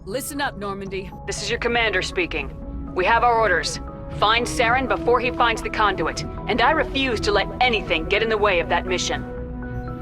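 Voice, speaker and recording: A woman's voice: medium pitch, close to an everyday voice. A woman voicing Commander Shepard, stern starship commander. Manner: commanding, resolute speech. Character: stern female starship commander rallying crew. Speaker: ship commander in a video game. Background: loud game music.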